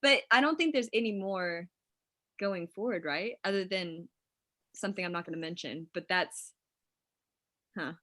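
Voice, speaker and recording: A woman's voice: fairly low pitch, moderate pace, pauses often, a bit bright. A woman speaking informally as a writer in a casual group discussion about a script. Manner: informal, chatty. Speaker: writer at a script table read.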